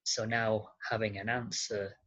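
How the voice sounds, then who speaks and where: A podcast guest with a masculine-sounding voice answers conversationally in a halting, hesitant way, on slightly muffled audio. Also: medium pitch, little pitch movement, fairly bright tone.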